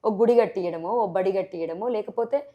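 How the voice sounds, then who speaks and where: The lo-fi clip captures a woman sarpanch candidate with a Telangana Telugu accent answering in a TV interview. Her mid-range voice moves fairly quickly, forceful and full of rhetorical questions.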